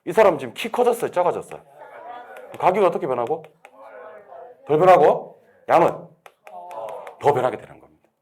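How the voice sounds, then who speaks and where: A man lecturing a real estate exam class, drilling students with quick questions and answering them himself. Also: on the high side, big pitch swings, darkish tone. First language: Korean.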